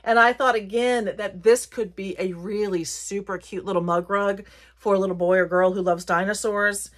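Casting: middle-aged female vlogger, mid-pitched, slight American South accent, informal and chatty, meandering delivery that corrects itself as it goes. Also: steady tone, moderate pace. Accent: light Southern American. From Virginia, United States. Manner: rambling, chatty, self-correcting. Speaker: haul and craft vlogger. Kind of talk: casual chatty haul video.

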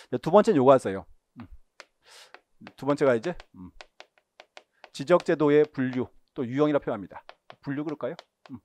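A man's voice: fairly high pitch, warm tone, dry recording. A male lecturer giving an exam-prep lesson, asking questions and answering them himself, repeating key terms and telling students what to mark in the book. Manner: asks and answers his own questions.

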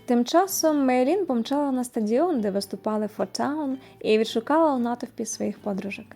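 A woman narrating an audio fairy tale in an expressive, lively reading. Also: on the high side, a little fast, gravelly. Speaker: storyteller. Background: soft music.

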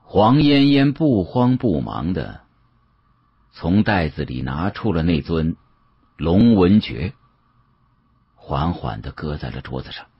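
A man narrating an audiobook as a dramatic storyteller, with an expressive, suspenseful delivery and a husky voice. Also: low-pitched, slow, pauses often. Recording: dull, muffled audio.

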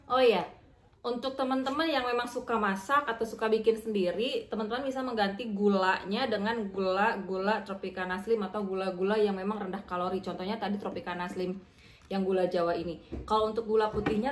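Young female vlogger, mid pitch, chatty and unhurried, echoey indoor room, table-distance camera. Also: steady tone. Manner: chatty, unhurried, with frequent fillers and self-corrections. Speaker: vlogger reviewing diet products. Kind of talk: casual product review. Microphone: fixed camera at table distance. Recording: echoey room, faint noise.

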